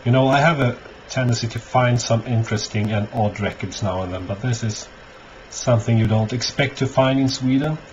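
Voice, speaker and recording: A man giving a casual, unscripted show-and-tell as a collector, halting often and thinking aloud. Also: mid-range voice. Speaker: record collector presenting finds. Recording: dull lo-fi audio, clear background noise.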